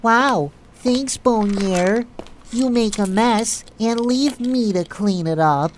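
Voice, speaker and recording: A woman's voice: on the high side, slow pace. Woman playing an earnest nurse, faint background noise. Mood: exasperated. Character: earnest, trusting young female hospital nurse, mildly exasperated. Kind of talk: audio drama acting.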